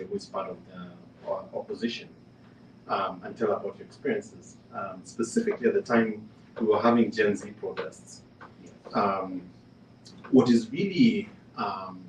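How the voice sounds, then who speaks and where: A man from Kenya speaks on a discussion panel, his voice a little low, relaying an anecdote with plenty of ums and restarts before pressing his points firmly. He sits back from the microphone in a reverberant room, with a faint hum of noise underneath. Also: darkish tone. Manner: conversational, many fillers and restarts, building to emphatic points. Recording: echoey room, speaker far from the mic.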